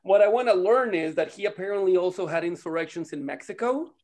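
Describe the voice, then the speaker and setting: A man with a fairly high voice. He talks casually like someone telling friends a story, informal and loose-tongued, pausing now and then to search for words. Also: animated, darkish tone. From Costa Rica. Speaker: participant in an online table read gathering. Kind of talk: casual chat, animated storytelling.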